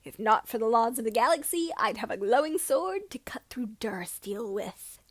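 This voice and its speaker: An earnest young space pilot read by a woman, cheeky and a little bewildered. The voice is fairly high and closely recorded with little room sound, in audiobook style. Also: expressive, moderate pace, no room sound. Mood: wry, cheeky.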